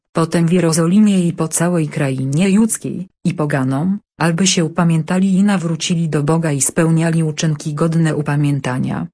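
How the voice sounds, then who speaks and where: A woman reads scripture aloud in an even, measured way. Her voice sits low and has a husky edge. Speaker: scripture reader. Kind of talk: scripted Bible reading and study narration.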